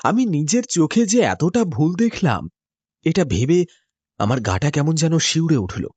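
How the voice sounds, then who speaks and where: A man narrates a cartoon horror story in the first person with tense, dramatic storytelling. His voice is husky and sits a little high, and it rises and falls in a lively way. The sound is dry and close. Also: normal speed, dry recording.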